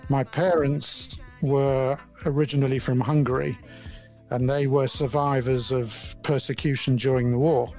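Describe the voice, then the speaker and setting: Older man, modest and unhurried. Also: medium pitch, little pitch movement, a little mellow, faint music behind, rough recording. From born in Scotland, grew up in London. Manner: modest, measured, many fillers. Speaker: music industry lawyer, podcast guest. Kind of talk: casual interview chat.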